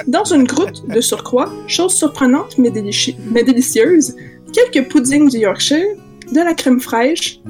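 Québécois woman, high voice, comic storyteller, faint guitar under. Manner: lively comic storytelling with long lists. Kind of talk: comic parody story reading.

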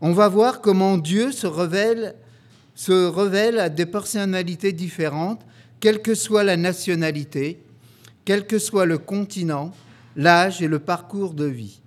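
Male preacher, high voice, earnest sermon delivery with scripture reading. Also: a little slow. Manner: earnest, reads scripture aloud steadily.

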